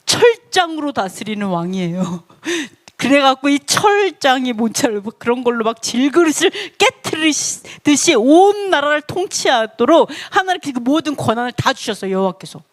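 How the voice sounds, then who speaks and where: A woman giving a lively, playful Bible lesson who laughs often and keeps asking her listeners questions. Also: high-pitched, normal speed, hardly any pauses. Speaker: Bible teacher.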